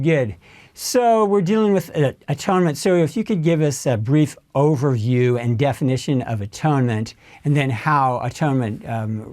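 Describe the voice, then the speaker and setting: A man's voice: medium pitch, darkish tone, dry recording. Friendly male interview host, close dry recording. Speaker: podcast host.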